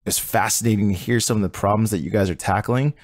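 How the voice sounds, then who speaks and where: A male podcast host talks quickly in an upbeat, joking manner as he asks his guest questions. The sound is dry and close, with no room echo. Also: on the low side. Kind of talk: casual interview questions.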